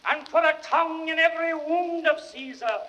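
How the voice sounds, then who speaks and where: An actor playing a grieving Roman orator rousing a crowd in impassioned theatrical Shakespearean declamation. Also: male voice, extremely high pitch, dull audio. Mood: rousing, fiery. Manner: impassioned, drawn-out, swelling from hushed to shouted.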